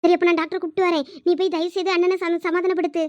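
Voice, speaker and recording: A woman's voice: very high voice, flat delivery, very fast, a little mellow, no echo, lo-fi sound. A woman voicing a distressed young wife in a cartoon, anxious and tearful, with a Thoothukudi Tamil accent. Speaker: voice of all female characters. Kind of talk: cartoon voice acting.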